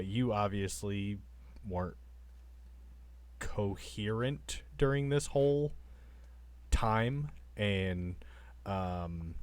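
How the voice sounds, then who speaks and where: A man's voice: on the low side, no room sound. A man talking and explaining things casually as a player in a tabletop game.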